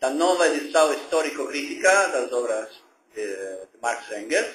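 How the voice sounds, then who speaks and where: A man's fairly high voice with a non-native accent and ordinary pitch variation, in audible room echo. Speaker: professor. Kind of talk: lecture. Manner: halting.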